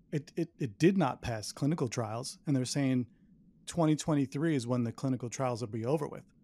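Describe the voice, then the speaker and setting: Dark, mellow voice of a man with an American accent, medium pitch and ordinary pitch variation, on a very clean recording with a silent background. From New Jersey. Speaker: podcaster. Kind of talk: casual podcast discussion.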